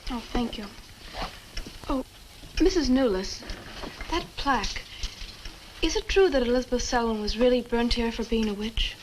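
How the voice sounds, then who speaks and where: A woman's voice: a little high, moderate pace, pauses often, lightly acted. An actress playing a polite, inquisitive young female student in a 1960s horror film, with an earnest manner. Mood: polite, curious. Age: young adult. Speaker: college student. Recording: noisy old film soundtrack.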